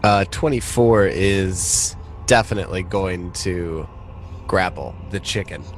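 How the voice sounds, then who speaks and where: Low-voiced man as game master, music behind. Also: takes it slowly. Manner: informal, swearing. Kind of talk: casual tabletop game narration.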